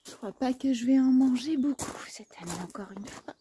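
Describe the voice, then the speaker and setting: A woman's voice: high voice, brisk, mellow, husky. Chatty woman touring her garden. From France. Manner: chatty, playful, stumbles on words and laughs at herself. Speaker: gardening video host. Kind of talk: casual garden walkthrough. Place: outdoor vegetable garden.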